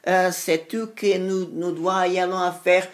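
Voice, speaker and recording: A woman with a slightly low voice speaks very slowly in a language that is not her native one. She practices in an unscripted monologue, halting often and repeating phrases as she hunts for the next word, with a beginner's errors. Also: flat delivery. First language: not French. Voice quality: non-native, beginner French with frequent errors. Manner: halting, repeating phrases while searching for words. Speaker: language learner making practice videos for own channel.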